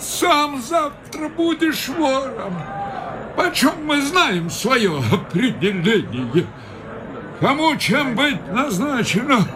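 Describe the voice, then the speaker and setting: An actor playing a smug old official who preaches slowly and breaks into shouts. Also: male voice, very high-pitched, heavily acted. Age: older. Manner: slow sermonizing, breaks into shouts. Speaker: official in a radio play. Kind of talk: 1950s-style radio drama acting. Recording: radio play with music behind.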